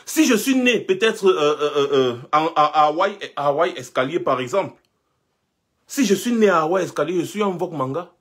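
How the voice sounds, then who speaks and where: A young man from Cameroon holds forth in a passionate monologue, pressing his points again and again with rhetorical questions. His voice sits high and has a husky edge. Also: expressive, moderate pace, a bit bright. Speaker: commentator. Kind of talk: impassioned monologue.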